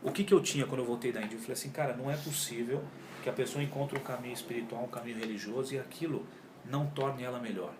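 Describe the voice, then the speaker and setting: In a casual interview chat, a Brazilian man in his 40s who teaches yoga talks rapid-fire in a medium pitch against a noisy background. His storytelling is animated, full of heavy slang and his own past dialogue acted out. The recording has an echoey room sound with faint ambience.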